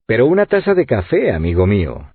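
A man voicing a friendly male journalist in an audiobook, coaxing, with a husky voice. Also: lowish voice, huge pitch swings, a little fast, no room sound, full character voice. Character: genial male journalist, teasing and warm. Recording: dry, tinny phone-like sound.

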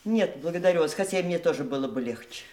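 An actress playing a patient, restrained mistress in an audio drama, speaking in a quiet, controlled, polite way. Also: female voice, on the low side, lively intonation, quick pace, close to an everyday voice. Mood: soothing, restrained. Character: restrained, patient mistress facing the wronged wife. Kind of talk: theatrical Russian radio drama acting.

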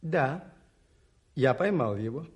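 An actor playing a mild, shrewd, enigmatic Catholic priest detective in a radio drama, calm, polite and measured. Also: male voice, medium pitch. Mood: polite, quietly firm.

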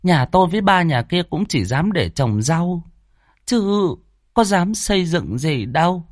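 A man doing a gossipy old village granny, her voice pitched way up and bouncing around as she rattles on, in a storybook reading. the recording is dry and close. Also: a little slow, dry recording. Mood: gossiping. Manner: gossipy, lively telling. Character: chatty old village woman.

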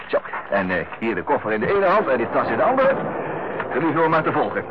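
Actor as teasing younger brother, muffled noisy recording. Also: male voice, medium pitch, very animated, a little fast, close to an everyday voice. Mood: cheerful, bustling. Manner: jovial, bantering, chuckling way of talking. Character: teasing, lighthearted youngest brother, freelancer and family man. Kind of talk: naturalistic Dutch radio play acting. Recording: dull, noisy old radio play recording.

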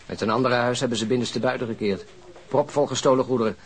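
An actor playing a hearty, bantering fat police detective in a radio drama. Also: male voice, medium pitch, fairly even intonation, fast, natural voice, poor audio. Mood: wry. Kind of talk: naturalistic Dutch radio drama acting.

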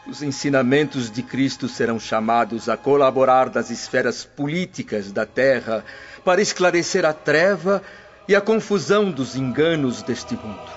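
An actor playing a grave early Christian preacher in ancient Rome, declaiming a prophetic sermon in a radio drama. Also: male voice, medium pitch, lightly acted. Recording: dull lo-fi radio drama, music behind.

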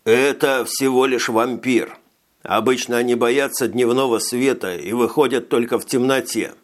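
A jittery little alien telepath, frail and slight, speaking slowly and softly, as a male reader puts him on. His voice sits at an ordinary middle pitch, with only a light change from the narration. It is an audiobook reading. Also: steady tone, lightly acted. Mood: tense.

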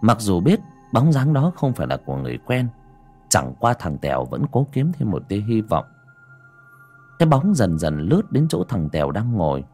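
A man narrates a horror story in a husky voice. His pitch rises and falls expressively, sinking to a hushed, slow delivery for suspense. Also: very animated, soft background music.

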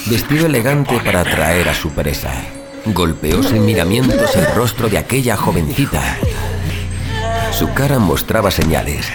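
A man's voice: low-pitched, very animated, normal speed, over loud music. A man playing a sadistic, darkly gleeful young vigilante killer who narrates a horror audio drama in a savoring, sardonic, literary way. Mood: brooding, menacing.

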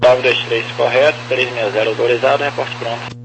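A Brazilian man with a medium-pitched voice gives clipped air traffic instructions. The radio transmission has a clear hum and noise throughout. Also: fairly even intonation, brisk, fairly bright tone. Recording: humming, noisy aviation radio.

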